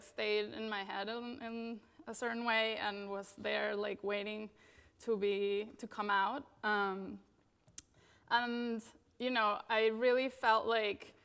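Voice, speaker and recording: A woman's voice: a little high, a bit bright, clear, resonant tone. Chatty woman designer giving a talk. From Venezuela. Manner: casual, many fillers, frequent "you know" and "like". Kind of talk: conference talk.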